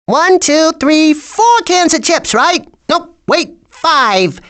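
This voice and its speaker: A woman's voice: high-pitched, lively intonation, slow, a bit bright, full character voice. A woman voicing a cocky, scheming small bird in a video game, with a folksy, boastful, know-it-all manner. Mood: confident, scheming. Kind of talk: animated video game character acting.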